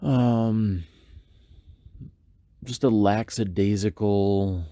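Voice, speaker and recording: A man's voice: fairly low pitch, fairly even intonation, drawn-out words, dark tone, no echo, clean studio sound. A man hosting a Christian podcast, talking through his week in an earnest, reflective way, with many fillers and restarts. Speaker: podcast host. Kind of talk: casual devotional monologue.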